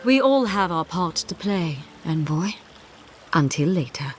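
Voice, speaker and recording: Coolly menacing female military captain, low-pitched. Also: very animated, soft background music. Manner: formal, measured, veiled threat. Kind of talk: video game character acting.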